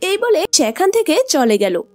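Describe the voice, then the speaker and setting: A woman's voice: extremely high pitch, big pitch swings, moderate pace, darkish tone, faint music behind. A woman giving scripted narration for a children's cartoon story.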